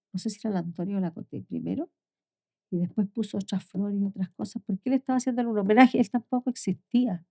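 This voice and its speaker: An older woman speaks as an interview guest. She tells heartfelt family stories with a slightly gravelly edge. Her voice often sinks to a soft hush before rising again. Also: mid-range voice. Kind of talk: conversational interview.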